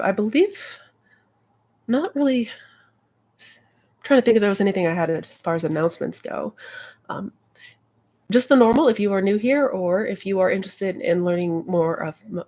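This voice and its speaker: A woman's voice: on the low side, darkish tone. Stuffy, slightly nasal woman host. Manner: friendly, chatty, many fillers. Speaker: manifestation coach hosting a live Q&A. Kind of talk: casual livestream chat.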